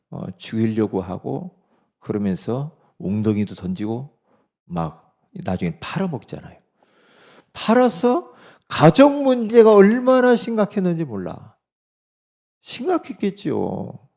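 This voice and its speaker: A man's voice: a little high, vocal fry, warm tone. A middle-aged man preaching a sermon as pastor, in a conversational way, often checking with the congregation.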